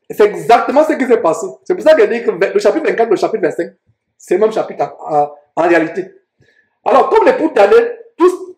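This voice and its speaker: Man, preacher, high-pitched, emphatic, rhetorical questions, echoey room. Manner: emphatic, rhetorical questions, reads verses aloud. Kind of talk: sermon teaching on Bible verses.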